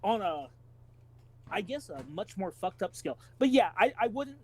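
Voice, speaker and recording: A man's voice: sits high, very animated, normal speed, husky. A man co-hosting a podcast, explaining his opinions analytically in casual, stop-and-start phrases. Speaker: podcast co-host.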